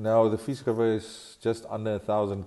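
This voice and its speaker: With a South African accent, a man talks at a moderate pace. His voice is fairly low, with a dark, mellow tone. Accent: Afrikaans-accented English. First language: Afrikaans. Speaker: YouTube vlogger sharing family DNA results. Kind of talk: monologue video talk. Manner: halting, with frequent fillers. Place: home room. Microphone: webcam.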